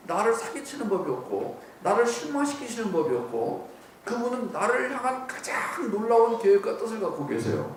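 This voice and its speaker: A middle-aged man, a missionary, giving a church seminar talk in a lively, joking way and acting out voices. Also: sits high, a little hiss or hum. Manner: animated, joking, acts out voices. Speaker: missionary speaker. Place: church hall. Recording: very echoey hall, from a distant mic.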